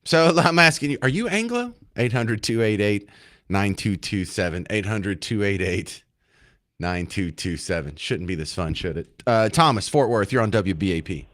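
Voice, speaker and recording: Wry talk radio host. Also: male voice, fairly low pitch, moderate pace. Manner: wry, animated, takes calls and argues points.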